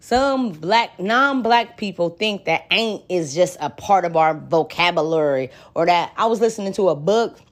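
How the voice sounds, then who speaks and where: A woman's voice: on the low side, animated, moderate pace, few pauses. A woman with an African American accent talking in a candid, casual podcast monologue, blunt and slangy with plenty of swearing. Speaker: podcast host.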